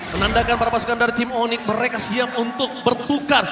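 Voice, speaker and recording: A man with an Indonesian accent commentating live on an esports match, given to theatrical, drawn-out calls. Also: extremely high pitch, flat delivery, a crowd in the background. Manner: theatrical, drawn-out shouted calls in big moments. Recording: echoey shoutcast mixed over loud music.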